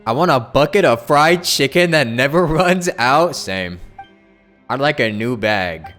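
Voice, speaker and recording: A man's voice: mid-range voice, animated, measured pace, a bit bright, faint music behind. A man live streaming a video game, chatting casually and reading aloud in an offhand way. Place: indoors, streaming with game music behind.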